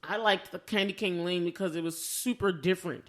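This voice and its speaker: A woman's voice: lowish voice, brisk. A woman co-hosting a podcast, chatting casually and expressively with conversational asides. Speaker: podcast co-host reviewing films.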